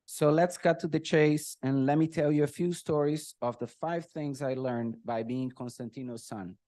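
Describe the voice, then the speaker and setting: With a mellow, medium-pitched voice on a dry recording, an emotional middle-aged Brazilian man, native in Portuguese, speaks at a birthday tribute. His personal speech includes jokes and self-deprecating humor, and he often clears his throat.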